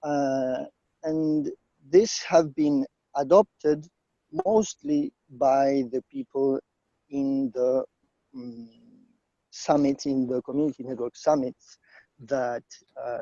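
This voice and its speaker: Slow-speaking man, dull sound. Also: mid-range voice, fairly even intonation, dark tone, no room sound. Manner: hesitant, halting phrasing. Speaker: community network organization representative, speaker. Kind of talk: semi-prepared conference presentation.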